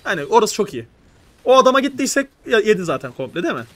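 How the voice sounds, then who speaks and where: A young man with a high-sitting voice streams live, coaching players through a strategy game. He talks fast, giving urgent, animated instructions.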